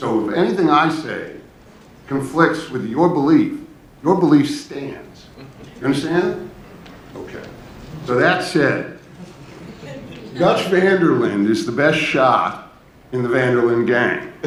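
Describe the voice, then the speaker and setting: Against noticeable background noise, a man with a fairly high pitch and lively intonation speaks at a fairly slow pace with long, frequent pauses. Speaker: voice actor. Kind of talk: convention panel talk. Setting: convention panel stage.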